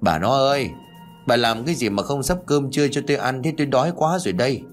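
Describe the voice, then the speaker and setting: A man's voice: lowish voice, fairly quick, soft background music, natural voice. A man doing a forgetful old village husband. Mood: grumbling. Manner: blunt, deadpan denials. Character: forgetful elderly village husband, confused and stubborn.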